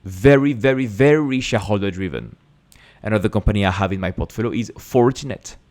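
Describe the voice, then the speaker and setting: A man's voice: on the low side, animated, brisk, darkish tone. A man with a French accent, a native French speaker, host of an investing channel, talking to camera in an emphatic way with rhetorical questions. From France. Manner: emphatic, repeats words and restarts, rhetorical questions. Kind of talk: casual explanatory talk to camera.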